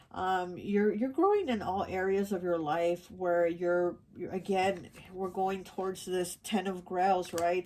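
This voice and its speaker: A woman's voice: fairly low pitch, darkish tone, slight background noise, low-quality recording. A woman giving a casual tarot card reading, rambling with many fillers and restarts, her voice stuffy and nasal from allergies. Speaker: tarot reader.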